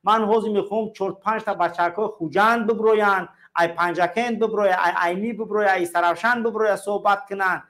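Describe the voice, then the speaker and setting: A man's voice: high voice, fairly even intonation, hardly any pauses, a bit bright. A man with a Tajik accent hosting a call-in show, talking in an emphatic, preachy way and piling up repeated phrases. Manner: emphatic and repetitive, stacks up parallel phrases. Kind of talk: preachy political call-in talk.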